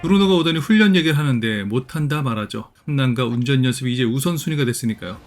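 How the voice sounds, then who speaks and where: A man narrating a fast, scripted recap of a series over its clips. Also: medium pitch. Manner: brisk, even storytelling. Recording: voice-over with loud music underneath.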